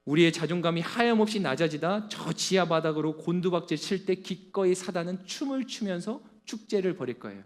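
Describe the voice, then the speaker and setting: A male pastor preaching a sermon with fervor, swinging between loud appeals and soft, hushed lines. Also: sits high, animated, brisk, hardly any pauses.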